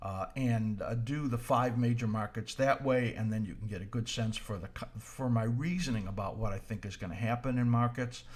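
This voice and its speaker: This man's voice is somewhat breathy. He talks at a fairly quick pace with ordinary pitch variation. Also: medium pitch for a man. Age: 60s. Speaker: market analyst and trader coach. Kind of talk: market analysis video commentary. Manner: halting, many fillers.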